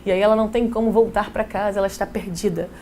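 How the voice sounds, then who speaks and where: A woman's voice: mid-range voice, steady tone, fast talker, darkish tone, slight background noise. A woman giving a casual exam-prep English lesson, talking straight to her students. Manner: casual, chatty teacher who addresses students directly. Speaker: English teacher.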